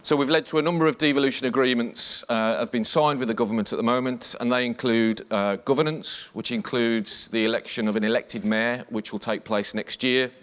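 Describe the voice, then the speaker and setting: A man's voice: medium pitch, fairly even intonation, a bit bright. Black Country man giving a conference talk. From English West Midlands. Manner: measured, formal briefing delivery. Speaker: police chief superintendent. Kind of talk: conference presentation.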